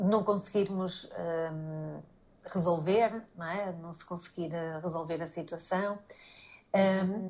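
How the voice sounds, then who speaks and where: Speaking at a very slow pace with long, frequent pauses, a woman keeps a fairly even intonation while her loudness swings widely. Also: fairly low pitch for a woman. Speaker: psychologist and family therapist. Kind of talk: conversational interview. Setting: Instagram live video call.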